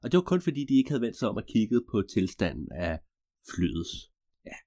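Male storyteller, low and animated, rambling with deadpan asides; dry, close sound. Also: no echo. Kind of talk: improvised storytelling.

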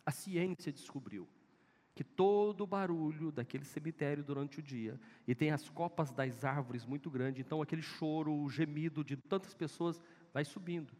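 This pastor's voice sits fairly high and carries a slightly mellow quality, moving at a moderate pace. He has a Northeastern Brazilian accent and preaches emphatically in a church, repeating his exhortations, with the echo of the hall audible.

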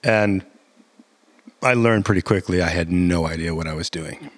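A man's voice: sits low, normal speed, no room sound. A man who directs theater, answering interview questions in a thoughtful, rambling way with frequent fillers and restarts.

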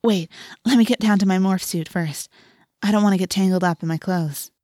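A woman reading an audiobook, voicing a gentle, earnest teenage girl who explains things patiently. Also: medium pitch, brisk, dry recording, studio quality, natural voice. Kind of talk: audiobook character dialogue.

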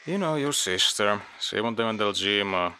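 An actor playing an easygoing, gentle father in an audio drama. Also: on the low side, lively intonation, normal speed. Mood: easygoing, coaxing. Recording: clicky, faintly noisy archival log.

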